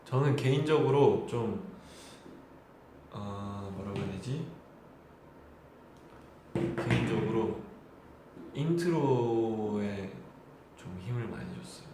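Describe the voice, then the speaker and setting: A man's voice: on the low side, lively intonation, slow, long pauses. A young man in his twenties chatting casually and laughing with fans on a live stream. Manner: chatty, laughing, polite speech. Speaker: idol hosting a live stream. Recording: very echoey room with clear background noise.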